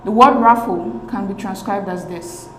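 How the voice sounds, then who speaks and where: A woman teaching an exam-prep lesson at a middling pitch. She reads each question aloud and explains the answers in a steady, methodical way. Her voice rings in an echoey room with a faint hum behind it. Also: moderate pace. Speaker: teacher and channel host.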